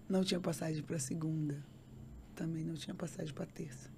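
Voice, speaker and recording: A woman's voice: low voice, steady tone, moderate pace, creaky, noisy background. A woman, a podcast guest giving an emotional faith testimony, repeating phrases and acting out other people's voices.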